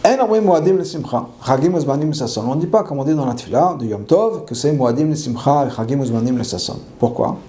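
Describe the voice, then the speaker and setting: A man's voice: mid-range voice, animated, quick pace, hardly any pauses, warm tone, slight background noise. A man teaching a class on Jewish law, reading Hebrew passages and explaining each one in French, often repeating himself and asking questions he then answers. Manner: repeats phrases while explaining.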